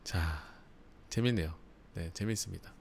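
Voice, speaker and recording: A man's voice: deep voice, a little slow, creaky, darkish tone, a little hiss or hum. A man hosting a live book review, chatting casually with frequent laughs and fillers. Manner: chatty, laughs often, filler-heavy asides. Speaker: book channel host.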